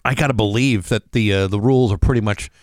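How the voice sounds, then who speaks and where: A man's voice: fairly low pitch, fast talker, no room sound. A man co-hosting a morning radio show, joking around in casual banter with lots of fillers. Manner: jokey, rambling with many fillers. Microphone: studio microphone.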